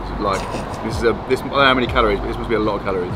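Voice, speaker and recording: Noticeable background noise runs behind the speaker. He is a man whose pitch varies in an ordinary way. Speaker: food vlogger. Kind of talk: casual vlog chat.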